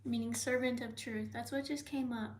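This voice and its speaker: A young American woman hosting a casual livestream, reading viewer comments aloud and often slipping into soft whispers. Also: a little high, fairly even intonation, moderate pace, a little hiss or hum. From United States. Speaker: livestream host.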